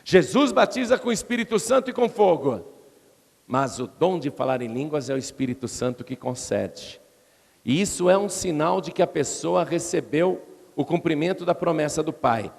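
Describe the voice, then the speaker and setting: A pastor with a Brazilian Portuguese accent preaches an expository sermon, retelling scripture dramatically and acting out crowd voices with rising pitch. His voice has lively intonation, normal speed, vocal fry, and a darkish tone. The long reverb of a large church hall surrounds him.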